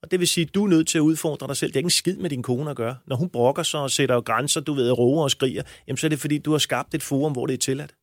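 A man's voice: on the high side, few pauses, no room sound, studio quality. A man talking as a coach in an interview, blunt and emphatic, with frequent crude language. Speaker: men's coach. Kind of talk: interview answers.

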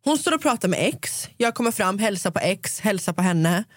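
A woman's voice: mid-range voice, lively intonation, no room sound, clean studio sound. A young woman chatting casually on a podcast, retelling a story through lots of quoted dialogue and slipping English phrases into her Swedish.

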